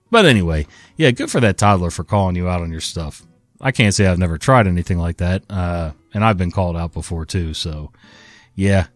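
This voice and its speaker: A man with a low voice reads online stories aloud, tossing in his own casual commentary. His storytelling is lively and conversational, and there's no room sound.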